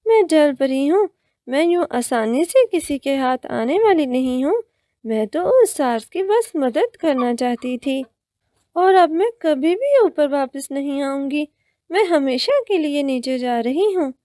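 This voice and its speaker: Woman doing a high, faraway little mermaid. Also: animated, dark tone, no room sound, studio quality. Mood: indignant. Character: kind, proud young female mermaid.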